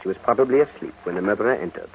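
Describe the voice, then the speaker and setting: An actor playing a fussy, shrewd detective with a French accent in an old-time radio drama, theatrical and deliberate. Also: male voice, fairly low pitch, lively intonation. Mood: grave, musing. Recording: muffled, noisy old radio recording.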